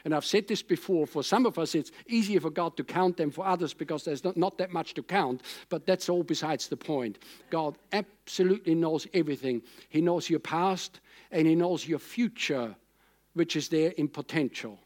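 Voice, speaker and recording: A man's voice: on the high side, lively intonation, moderate pace, a little mellow. A man in his sixties from Austria, a German speaker, preaching a sermon in a conversational, rambling way with emphatic repetition. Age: 60s. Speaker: pastor.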